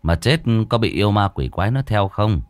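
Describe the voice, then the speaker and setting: A man doing a calm, commanding young exorcist. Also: lowish voice, no echo. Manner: measured, commanding, steady.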